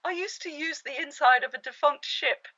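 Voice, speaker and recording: A woman performs a plucky young scavenger for a cartoon spoof. Her voice is high and bright, a little muffled by the recording. She talks haltingly and self-effacingly, flustered but upbeat, like someone in casual conversation. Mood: sheepish.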